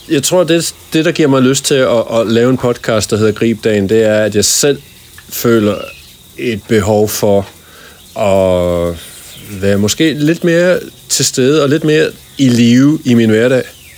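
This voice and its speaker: At a fairly slow pace with long, frequent pauses, a man of medium pitch speaks with lively intonation and very even loudness over noticeable background noise. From Denmark. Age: 60s. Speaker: podcast co-host. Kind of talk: casual chat.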